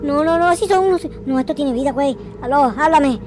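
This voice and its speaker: A man voicing a naive, whiny, excitable young boy in a gaming roleplay, melodramatic and exclaiming, repeating his words. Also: very high-pitched, a little fast, music in the background. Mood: panicked, indignant. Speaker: gaming video creator. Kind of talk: excitable gameplay roleplay in slangy speech.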